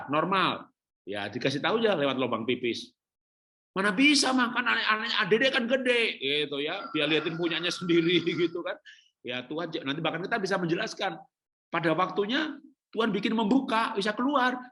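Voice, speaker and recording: A middle-aged male pastor preaching on parenting, telling stories with lively acted-out dialogue and frequent laughter. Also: a little high. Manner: lively storytelling, acting out children and parents, laughing often. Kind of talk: sermon on parenting.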